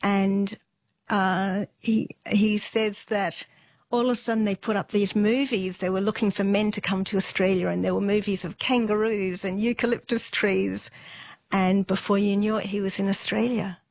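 A middle-aged woman telling an interviewer her family's history in a relaxed, unhurried way, with fillers and soft laughs. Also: mid-range voice, no echo. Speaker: interview guest.

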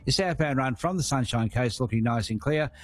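Australian male traffic reporter, smooth and steady, mid pitch. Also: brisk, no echo.

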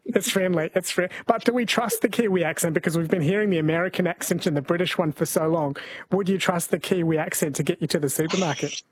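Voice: medium pitch, fast, a little hiss or hum. A radio host interviewing a correspondent with playful, teasing questions.

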